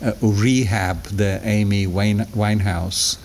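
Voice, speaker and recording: In a casual interview, a European Portuguese-accented guest in his sixties reflects on things, frequently restarting sentences and chuckling softly. He talks slowly and steadily in a voice on the low side. A little hiss or hum is audible.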